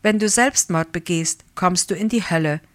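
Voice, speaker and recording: A woman reading the lines of a weak, dying old father who gently pleads with his daughter. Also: fairly low pitch, normal speed, dry recording, close to an everyday voice. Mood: pleading.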